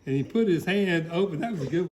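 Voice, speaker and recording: A man voices a goofy alligator reading a storybook aloud, his expressive, quick-paced voice close to an everyday one on a rough recording. Hammy and amused, he's theatrical and rambling, letting out booming shouts and breaking into laughter in this comedic dramatic reading.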